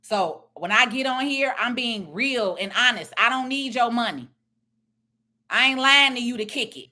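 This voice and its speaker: A middle-aged woman with a loud voice and a confident, blunt way of talking, giving social media commentary as a tax and business strategist. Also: on the high side, animated, moderate pace. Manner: confident, emphatic, plain-spoken.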